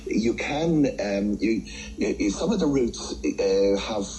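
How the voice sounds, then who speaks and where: An Irish man giving unscripted expert commentary in a radio interview, in a halting, stop-start way with repeated words. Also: fairly low pitch, animated, warm tone, a little hiss or hum, low-quality recording. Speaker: travel editor, studio pundit.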